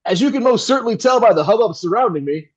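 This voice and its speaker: A man's voice: sits high, expressive, fast talker, husky. A man playing a slick, enthusiastic 1960s radio host who can turn into a crude jerk. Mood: showy, upbeat. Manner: enthusiastic, showy patter. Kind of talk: 1960s radio announcer acting.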